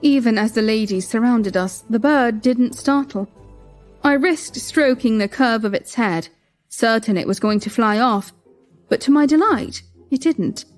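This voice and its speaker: Higher-pitched woman narrating first-person. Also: measured pace, faint music behind. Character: queen narrating her own story.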